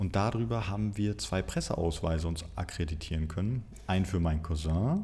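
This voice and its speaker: At a moderate pace, a man speaks in a very deep, low, somewhat breathy voice with a dark, mellow tone and ordinary pitch variation. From western Germany, Bonn area. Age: 20s. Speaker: podcast co-host. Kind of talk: casual chat.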